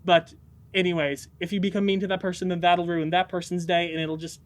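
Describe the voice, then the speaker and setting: A teenage boy guest in a casual interview, earnest and a little halting. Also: sits high, flat delivery. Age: teens.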